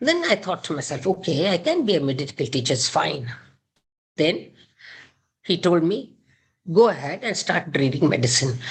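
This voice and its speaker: A woman's voice with vocal fry swings very widely in pitch. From India (Karnataka). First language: Kannada. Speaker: gynaecologist. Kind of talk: interview.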